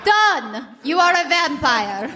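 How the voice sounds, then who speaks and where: A woman's voice: high voice, sing-song, slow pace, exaggerated voice. A woman voicing a haughty, indignant vampire customer in a comic radio play on stage. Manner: indignant, melodramatic. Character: haughty, outraged vampire customer at a drive-through. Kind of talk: comic radio play before a live audience. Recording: noisy live theater stage recording.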